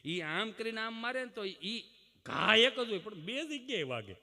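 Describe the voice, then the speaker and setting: A man telling a folksy comedy monologue on stage, preaching to the audience and breaking into mock shouts and sung lines. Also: high voice, very animated, normal speed. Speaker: comic storyteller. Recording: long hall reverb.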